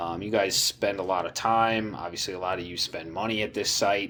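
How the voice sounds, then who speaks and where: A man talks in a fairly low voice with fairly even intonation. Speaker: sports podcast host. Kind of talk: podcast monologue. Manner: monotone; calm, low-key.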